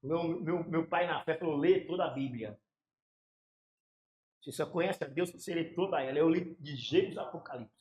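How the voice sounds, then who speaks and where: A man, a pastor telling his conversion story with fervor, in pauses and restarts. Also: a little high, darkish tone, dull audio, slight background noise. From São Paulo area, Brazil. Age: 60s. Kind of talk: emotional conversion testimony in a casual chat. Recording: echoey room.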